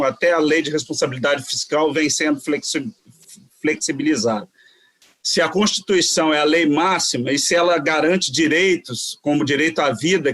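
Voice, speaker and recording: A man serving as a judge, giving his vote in a formal session, halting with many fillers. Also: fairly high pitch, fairly bright tone, no room sound. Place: court session.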